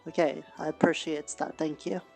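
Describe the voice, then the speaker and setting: A woman's voice: sits low, flat delivery, normal speed, vocal fry, a little mellow, soft background music. A woman on a headset mic chatting casually during a roleplay game, mildly scolding and matter-of-fact. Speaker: roleplayer and streamer. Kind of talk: casual in-character roleplay chat.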